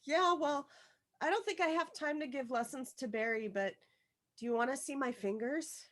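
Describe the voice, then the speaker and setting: A woman's voice: high voice, normal speed, fairly bright tone. A woman playing an earnest, love-struck and awkward adolescent girl, imploring and intense, in a table read of a film script. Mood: shy.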